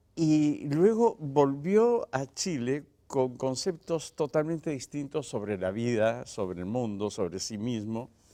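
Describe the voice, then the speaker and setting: A man with an Andean accent speaks very slowly with hardly any pauses, his dark, mellow tone swinging very widely in pitch against a quiet background. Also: medium pitch for a man. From Peru (Cusco), then Spain from age six. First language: Quechua (speaking Spanish). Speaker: chef. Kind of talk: interview conversation.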